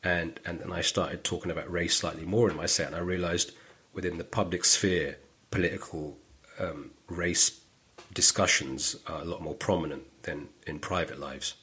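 A middle-aged man with a London accent and a low, husky voice. He talks casually as a guest on a podcast, telling stories with animation and sometimes acting out other people's lines. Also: moderate pace. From northwest London. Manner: animated storytelling, acts out quoted voices. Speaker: stand-up comedian guest.

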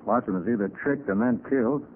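An actor playing a brisk, confident American master detective, giving clipped deductions in a 1940s radio drama. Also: male voice, mid-range voice, natural voice. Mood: brisk, analytical. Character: brisk, sharp-eyed master private detective. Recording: muffled hissy 1940s radio recording.

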